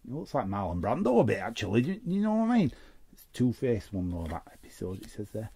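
A man's voice: lowish voice, wildly swooping pitch, quick pace, dark tone. A man giving casual, chatty unboxing commentary as host, muttering and repeating short phrases to himself. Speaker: host of a trading card opening show.

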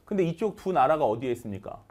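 A man teaching English vocabulary in an online lecture, animated and leading chanted word drills. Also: a little high, quick pace.

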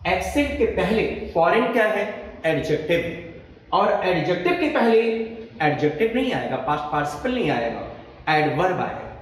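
A man teaching an exam-prep grammar lesson, reading English example sentences slowly and explaining quickly in Hindi. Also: high-pitched, big pitch swings, distant mic. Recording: very echoey room, voice from off-mic.

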